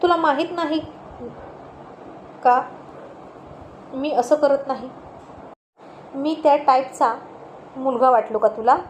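A woman's voice: high-pitched, slow, long pauses. A woman voicing flustered young hero Ram. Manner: exasperated, scolding. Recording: roomy echo, faint noise.

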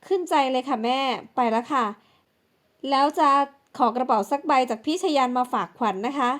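A woman's voice: high voice, normal speed, lightly acted. A woman voicing a scheming, spoiled young woman who bosses her younger sister, in a bossy, pushy manner. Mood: sweet, coy.

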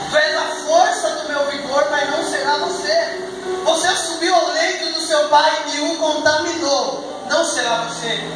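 A middle-aged Brazilian man preaches fervently in a high-pitched voice. He sounds distant and boomy, as if caught by a camera at the back of a reverberant hall. Loud noise runs under his words. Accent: Brazilian Portuguese. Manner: fervent preaching, rising to shouts at climaxes. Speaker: missionary preacher. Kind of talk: sermon. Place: small church hall with a band stage. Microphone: handheld mic, filmed from the back of the room. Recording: echoey room from far off with loud noise.

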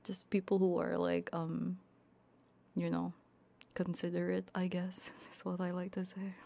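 A woman livestreamer chatting casually with viewers in a giggly, bantering way, often slipping into soft ASMR whispers. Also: on the low side, monotone, unhurried, gravelly.

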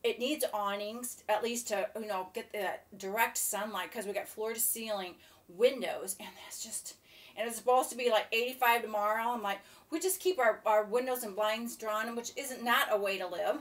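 A woman's voice: a little high, moderate pace. An older woman chatting to camera in her home kitchen, rambling and complaining. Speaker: vlogger. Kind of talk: casual chat to camera. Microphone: laptop webcam from a few feet away. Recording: distant laptop mic, faint room noise.

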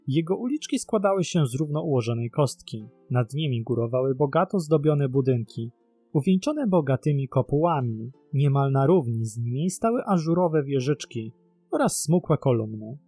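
Husky male storyteller, lively intonation. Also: fairly high pitch, dry recording. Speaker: narrator of a mystery web series. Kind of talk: scripted documentary storytelling narration.

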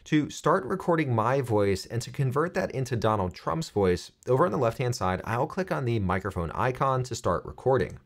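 A man in his thirties presenting a software tutorial, explaining things clearly step by step. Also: mid-range voice, big pitch swings, moderate pace, few pauses.

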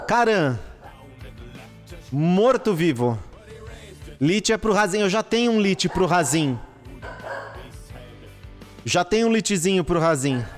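A man, commentating a live gaming stream, excitable and exclaiming and swearing at what he gets. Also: sits high. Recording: long reverb with faint music behind. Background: faint background music.

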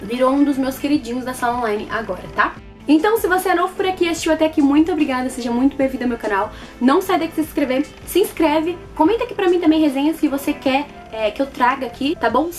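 A beauty vlogger from Brazil, in her twenties, reviews products at a quick pace in a casual chat to camera. Her voice is high and expressive, she doubles up words for emphasis, and light music plays beneath her in a small, plain indoor room.

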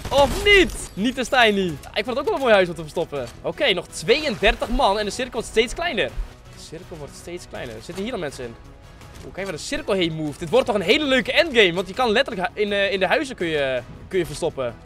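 Excitable young man, high lively voice. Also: fast, faint music behind. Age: 20s. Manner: excitable, slangy with English gaming slang mixed in. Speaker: game streamer hosting an online hide-and-seek. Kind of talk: live gameplay commentary. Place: small room at a gaming desk, indoors. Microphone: close desk microphone.

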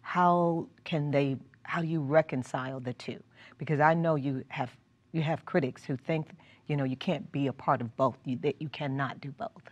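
A woman's voice: low voice, steady tone, moderate pace, no room sound, dull audio. A woman co-hosting a talk show who asks her guest a direct, pointed question. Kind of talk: interview questions.

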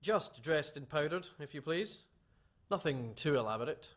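An actor playing a vain, haughty gentleman thief in a radio play, wry and mocking. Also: on the high side, expressive, normal speed. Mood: wry, composed. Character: vain, defiant gentleman thief awaiting execution.

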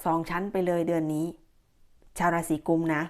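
A woman's voice: on the low side, little pitch movement, moderate pace, clean tone. A woman giving a casual monthly tarot horoscope, chatty and repetitive, with many fillers and warnings. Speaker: tarot reader.

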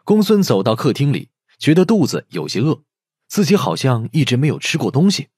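A man's voice: medium pitch, big pitch swings, a little fast, a little mellow, breathy edge. A man reading a novel aloud as a dramatic audiobook narrator.

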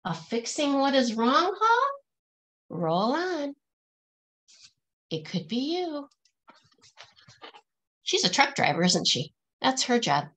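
A woman's voice: sits high, very animated, takes it slowly, long pauses, fairly bright tone. A middle-aged woman reading a picture book aloud to children in a singsong, teacherly way, stressing the rhymes and asking questions.

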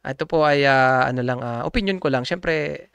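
Speaking fairly quickly with vocal fry, this man has a medium-pitched, fairly bright, clean voice and no room sound. As a community group member, he addresses viewers in a casual, polite, unscripted monologue that rambles, full of hesitations, fillers, and frequent laughter.

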